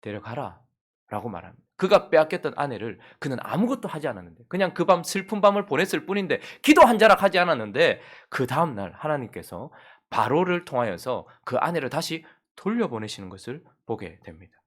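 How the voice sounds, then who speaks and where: A man preaching an early-morning sermon with a highly expressive, wide-ranging pitch. He asks the congregation question after question and acts out the words of others. His delivery shifts between loud emphatic bursts and quiet, low stretches. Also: fast talker. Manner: dramatic, asks many rhetorical questions and acts out quoted speech. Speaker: pastor.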